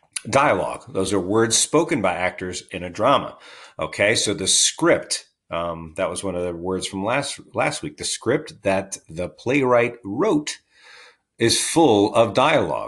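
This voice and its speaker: A man talks at a fairly slow pace. Behind him the background stays quiet. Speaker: teacher. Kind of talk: lecture. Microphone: webcam.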